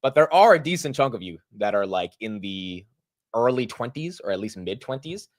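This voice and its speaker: A man's voice: fairly low pitch, big pitch swings, moderate pace, no echo, clean studio sound. A man in his late twenties hosting a live market stream, chatting casually in an upbeat, slangy way and greeting viewers. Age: 20s. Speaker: livestream host.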